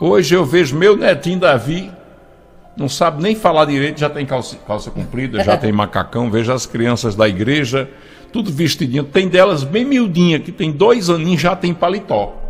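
Somewhat breathy and fairly high in pitch, a man speaks at a moderate pace with very wide pitch swings over faint background music. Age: 60s. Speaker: pastor. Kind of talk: sermon. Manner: animated. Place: studio. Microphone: studio mic.

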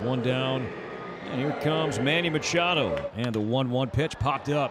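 Pitch varies in an ordinary way at a moderate pace. There is noticeable noise behind the speech. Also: man. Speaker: baseball color commentator. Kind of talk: live sports commentary with stats and background. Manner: steady, informative, conversational.

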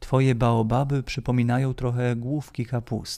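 A man's ordinary speaking voice at medium pitch and fairly slow pace, in a very clean recording with a silent background. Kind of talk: literary audiobook reading. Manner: measured, gentle storytelling pace; softly expressive, shifting tone between narrator and quoted characters.

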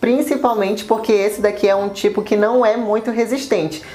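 Her delivery proceeds at a moderate pace. The woman's pitch rises and falls as much as usual. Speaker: DIY crafts creator. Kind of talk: tutorial. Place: home room.

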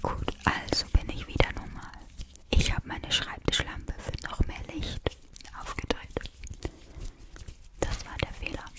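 A woman whispers in a gentle tone. She goes fairly slowly, with long, frequent pauses. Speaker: ASMR creator. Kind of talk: soft-spoken ASMR talk and trigger words. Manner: gentle whisper into microphone. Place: home room. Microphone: studio mic.

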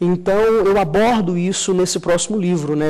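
Pitched high for a man, this male voice moves at a moderate pace with ordinary pitch variation. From Minas Gerais, Brazil (Nanuque, Uberlândia); Minas Gerais, Brazil. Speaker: writer and theologian; guest. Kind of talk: interview. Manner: halting, repeats words. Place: studio. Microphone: lapel.

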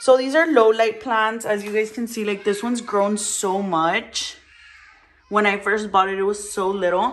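In an animated tone, a woman speaks at a moderate pace and fairly high pitch, her pitch varying in an ordinary way. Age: 30s. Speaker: lifestyle vlogger. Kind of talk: casual haul vlog. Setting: home. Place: home room. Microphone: phone near.

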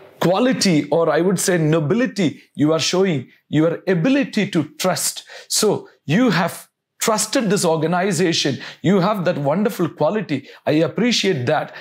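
Lively intonation marks this man's speech at a moderate pace. The background is quiet. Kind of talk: motivational address. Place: office. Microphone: lapel.

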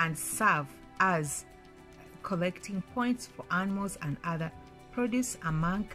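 Faint music plays in the background as a woman with a fairly low pitch speaks at a fairly slow pace. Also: ordinary pitch variation. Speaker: educational vlogger. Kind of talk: informational talk, partly read. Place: home room. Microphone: phone near.

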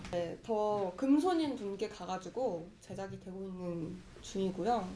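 A woman speaks fairly slowly in a medium pitch with a dark, mellow tone. Audible room echo and light background noise surround her. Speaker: esports staff member. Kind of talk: casual chat. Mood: apologetic, explanatory. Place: meeting room.

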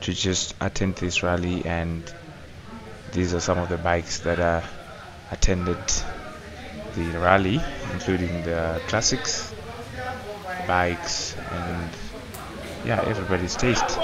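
Noticeable background noise sits under a man who talks fairly slowly, pausing often and at length. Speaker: motorcycle vlogger. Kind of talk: casual vlog chat. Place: street. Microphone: phone near.

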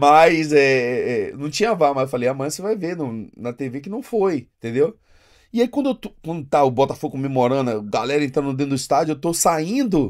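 Lively intonation marks the voice, set against a quiet background. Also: man, moderate pace. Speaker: former footballer and football coach; podcast guest. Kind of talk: casual chat. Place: studio. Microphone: studio mic.

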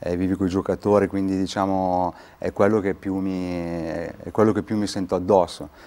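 The tone is dark and mellow, with a monotone, flat intonation. The pace is moderate. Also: man, very deep, low pitch for a man. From Varese province, Lombardy, northern Italy; Lombardy, Italy. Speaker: bocce club president. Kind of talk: TV studio interview. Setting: TV studio. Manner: hesitant, many fillers. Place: studio. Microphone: lapel.

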